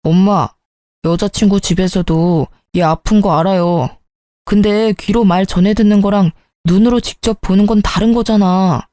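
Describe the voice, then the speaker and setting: A woman voicing an earnest young adult son who turns sharp and irritable, speaking in clipped, pleading sentences. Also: medium pitch, steady tone, normal speed, no room sound, clean studio sound, close to an everyday voice. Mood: irritated.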